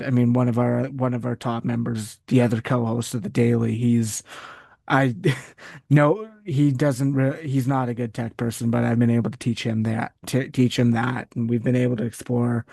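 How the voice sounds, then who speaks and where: A man's voice: medium pitch, creaky, dark tone, dry recording, clean studio sound. A man from Canada, a guest chatting casually in an interview, rambling and often restarting as he goes on tangents. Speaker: guest, wrestling site writer.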